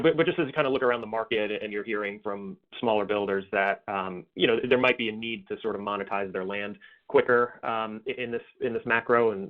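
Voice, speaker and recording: A male financial analyst asking wordy, hedging questions on an earnings call, often restarting his phrasing. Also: lowish voice. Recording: thin phone-line audio.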